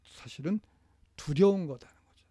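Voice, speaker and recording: A middle-aged man giving a training lecture, lively, acting out what parents say. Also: fairly high pitch, moderate pace, husky, no echo. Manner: lively, acts out parent lines.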